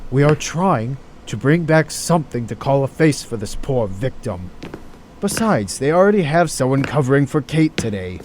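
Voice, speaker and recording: Male actor as indignant senior doctor in a hospital audio drama, mid-pitched, formal, faint noise behind. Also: very animated, moderate pace, darkish tone, lightly acted. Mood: stern, indignant.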